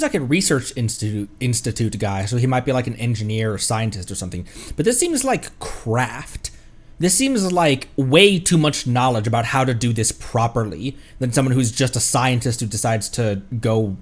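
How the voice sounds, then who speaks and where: A man doing casual gameplay commentary as a streamer, excitable and colloquial, close to the microphone. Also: mid-range voice. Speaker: streamer, VTuber. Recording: faint game music behind voice.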